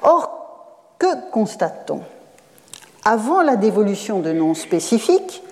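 Woman, professor, academic lecture, mellow voice, digressive with fillers, long hall reverb. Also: mid-range voice, very animated, a little slow. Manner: digressive, explanatory, with frequent fillers and self-corrections.

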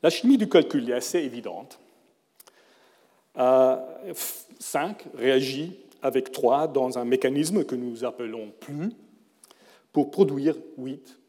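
A middle-aged man who is not a native speaker of the language, giving a formal prepared lecture with a careful, measured delivery and occasional self-corrections. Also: medium pitch, mellow. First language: not French. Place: lecture hall. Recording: long reverb of a lecture hall.

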